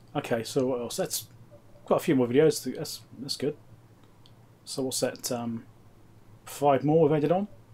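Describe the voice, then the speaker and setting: With long, frequent pauses, a man speaks at a fairly high pitch in a dark, mellow tone with ordinary pitch variation. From England and New Zealand. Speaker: electronics repair youtuber; electronics repair streamer. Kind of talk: casual live stream chat. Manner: fast; mumbling, poor enunciation. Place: workshop.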